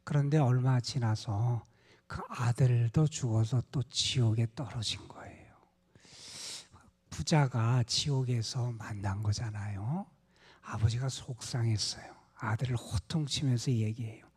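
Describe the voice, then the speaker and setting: A male pastor gives a dawn prayer sermon, his mellow, husky voice often dropping to a near whisper. The sound carries a long reverb from the church sanctuary. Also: medium pitch, unhurried. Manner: soft-spoken, often half-whispered delivery.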